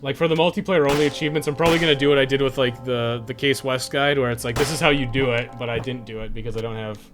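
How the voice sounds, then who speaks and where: A man's voice: mid-range voice, level tone, racing, music in the background. A man chatting casually as he streams a game, rambling and swearing freely as he goes. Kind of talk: casual livestream chat while playing.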